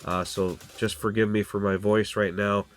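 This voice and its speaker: A man's voice: lowish voice, flat delivery, moderate pace, soft background music. A man hosting a casual crypto walkthrough, sounding stuffy and nasal from a cold, talking loosely with lots of fillers. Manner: casual, filler-laden, repeats "go ahead" and "guys". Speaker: crypto channel host. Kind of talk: screen-share walkthrough, casual explainer.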